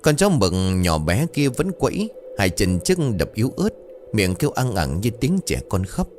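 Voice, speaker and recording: A man's voice: on the low side, huge pitch swings, normal speed, darkish tone, slight background noise. A man narrating a horror story in a dramatic, suspenseful way.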